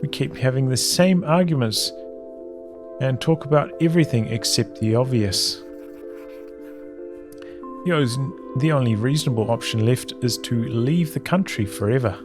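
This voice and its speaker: A man's voice: mid-range voice, animated, normal speed, pauses often, over music, lightly acted. A man reading the part of a weary young student troubled by family in a visual novel. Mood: weary, conflicted.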